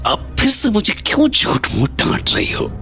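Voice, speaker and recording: A man's voice: high voice, wildly swooping pitch, normal speed, sharp tone, faint music behind, heavily acted. A man voicing an unsettling grown son who comes home after years away, whispering and swinging from sweet to hurt, in a horror audio drama. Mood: wounded pleading. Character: unsettling grown son, returned after 22 years, mother calls him a monster.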